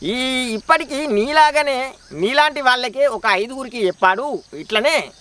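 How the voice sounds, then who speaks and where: Brief: a devoted village wife from Telangana, insistent and pleading, a man doing her in a bright, high voice. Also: moderate pace. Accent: Telangana Telugu.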